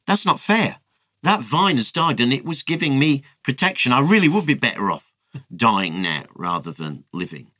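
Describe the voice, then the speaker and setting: A man's voice: mid-range voice, wildly swooping pitch, measured pace, pushed and bright, dry recording, heavily acted. A man voicing a grown prophet who sulks and complains with indignant exasperation.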